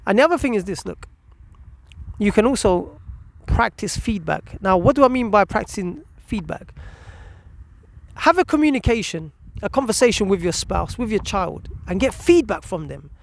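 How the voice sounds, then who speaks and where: High-pitched man giving parenting advice. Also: lively intonation, moderate pace, creaky. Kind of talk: informal motivational advice talk to listeners.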